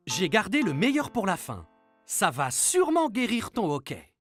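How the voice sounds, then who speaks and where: Very animated, playful cartoon dad. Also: male voice, high-pitched, normal speed, faint music behind, full character voice. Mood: playfully confident. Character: cheerful playful young dad, encouraging and patient. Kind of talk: children's cartoon dialogue.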